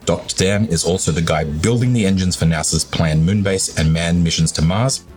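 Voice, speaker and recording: A man's voice: low-pitched, normal speed, darkish tone, soft background music. A man co-hosting a podcast, reading a scripted introduction in an upbeat, announcer-like way. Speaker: podcast co-host.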